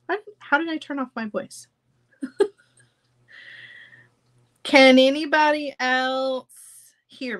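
Congested woman chatting on a livestream. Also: fairly high pitch. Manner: chatty, animated, gestures with hands. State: congested, stuffy nose. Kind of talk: casual live chat with viewers. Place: home craft room, indoors.

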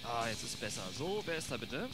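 Loud music plays behind a casual, muddled man as a performer acts him recording an answering machine message. His voice is mid-pitched, lively and chatty. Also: brisk, lightly acted.

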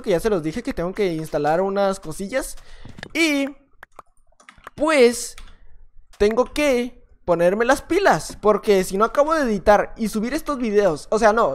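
A man with a Mexican Spanish accent giving gameplay commentary, excitable and repeating short phrases as he talks to himself. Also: sits high. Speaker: gaming youtuber.

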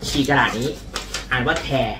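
Man, football vlog host, chatty and lively, roomy room sound. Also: medium pitch, fairly quick, distant mic, over music. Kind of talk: casual football news vlog.

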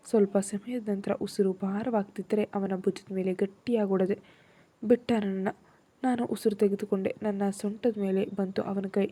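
A woman's voice: mid-range voice, dark tone, breathy edge. A woman reading a first-person romance story aloud, expressively acting out the heroine's feelings.

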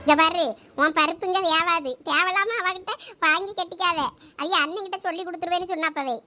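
Very high-pitched cheeky young college girl, played by a woman. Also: fairly even intonation, brisk, pushed and bright, faint music behind. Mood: teasing. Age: young adult. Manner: teasing, chatty, giggly. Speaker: comic skit actor. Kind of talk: village comedy skit acting.

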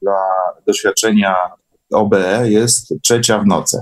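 A man's voice: lowish voice, fairly even intonation, measured pace, poor audio. A man speaking as a guest in a casual online interview, explaining things conversationally. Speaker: guest recounting course experiences. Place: online call.

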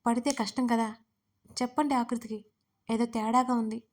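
A woman's voice: fairly high pitch, steady tone, normal speed, darkish tone, natural voice. A woman voicing a curious, sassy young woman in an audio story. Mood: innocent.

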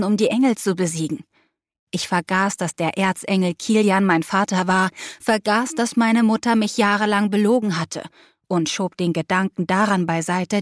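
A woman narrates an audiobook in the first person, in an expressive, emotive storytelling manner. Her voice sits at an ordinary middle pitch. The recording is dry and close, like a small studio booth. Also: dry recording. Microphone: close studio mic.

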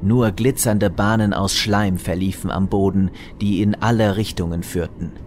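A man's voice: low-pitched, fairly even intonation, normal speed, slight background noise. A man narrating a scripted comic audio drama with wry storytelling. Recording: loud music under narration.

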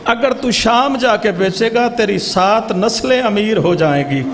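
A man's voice: sits high, a little slow, fairly bright tone. A man with a Pakistani accent voicing a rich male perfume merchant in a religious oration, declaiming emphatically. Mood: bargaining. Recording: reverberant hall, faint noise.

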